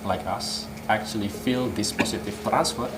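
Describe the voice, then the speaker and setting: Young Indonesian-accented male teacher, lowish voice, patient explainer; echoey outdoor take with music under. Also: fairly even intonation, normal speed, background noise. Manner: patient, explanatory, asks and answers his own questions. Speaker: English teacher. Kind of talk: explaining in a casual interview. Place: outdoor patio with trees. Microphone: studio mic on a stand.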